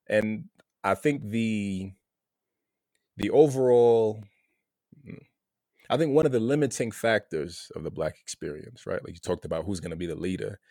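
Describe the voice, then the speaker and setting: A Haitian American man talking through his thoughts in a relaxed conversation, often repeating words as he searches for them. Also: deep voice, dry recording, studio quality. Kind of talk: casual conversation.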